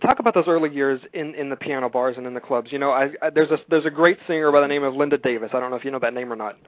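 A man hosting an interview, asking questions in a brisk, chatty, self-deprecating way. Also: medium pitch, dry recording. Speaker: host. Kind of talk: interview questions, casual chat. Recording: dry phone-line sound.

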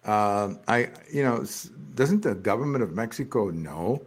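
A male talk show host questioning his guest in an animated, incredulous way. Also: lowish voice, unhurried, breathy edge. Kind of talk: casual political talk.

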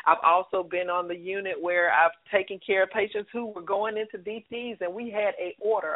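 A woman hosting a call-in talk show, chatty and long-winded, heard on tinny phone-line audio. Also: fairly low pitch. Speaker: radio call-in show host.

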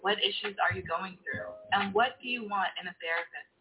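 A man reading an advertisement in a calm, reassuring way. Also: sits high, brisk. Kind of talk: scripted ad read. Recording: tinny sound with loud music behind.

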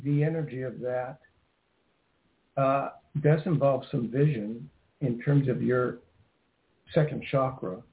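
A man's voice: mid-range voice, slow, long pauses. Probing psychic radio host, man. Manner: probing, asks direct questions. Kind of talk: radio call-in reading. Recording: tinny phone line.

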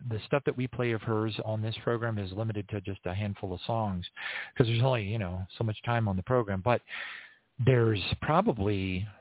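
A man hosting an online prayer service, talking in a rambling, halting way with many fillers and restarts and frequent little bursts of praise. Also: lowish voice, dry recording. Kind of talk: casual unscripted church broadcast talk. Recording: tinny phone-like audio, soft music behind. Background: faint music.

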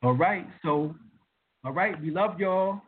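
Now his high-pitched voice moves slowly, with slight noise in the background of a tinny video call connection. Hosting his live-stream lecture, the man stays casual and filler-heavy while his emphasis builds and heats up.

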